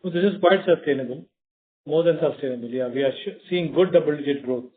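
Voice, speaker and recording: A fairly high-pitched man gives informal executive answers on an earnings call. He talks conversationally, and his voice comes through a thin telephone line. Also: fast talker. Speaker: company executive.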